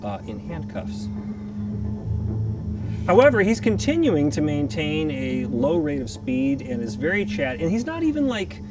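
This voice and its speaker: A man's voice: on the high side, wildly swooping pitch, a little slow, recorded from a distance, over music. A man narrating an improvised tabletop adventure as game master.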